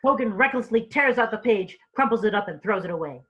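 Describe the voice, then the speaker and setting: A woman's voice: mid-range voice, animated, quick pace, fairly bright tone, slightly rough, dull audio. A woman reading stage directions in an informal read-through, tripping over and repeating words now and then.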